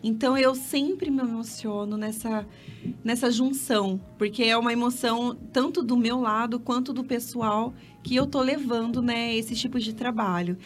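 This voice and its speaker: A woman florist and decorator chatting casually, warm and quick to laugh. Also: on the high side, fairly even intonation, faint music behind. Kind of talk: casual panel chat.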